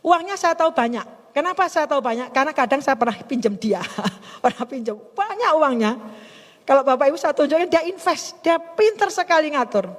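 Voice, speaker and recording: A woman's voice: sits high, a little fast. Chatty woman pastor in reverberant hall. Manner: chatty, animated, laughs often. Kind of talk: storytelling sermon. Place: church service in a hotel hall.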